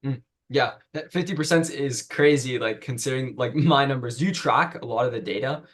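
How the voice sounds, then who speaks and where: A man's voice: medium pitch, a little fast, a bit bright. A man with a Spanish accent hosts a podcast over a video call. He sounds easygoing and a bit hesitant, with fillers between thoughts. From Spain. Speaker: podcast host. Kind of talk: casual podcast interview.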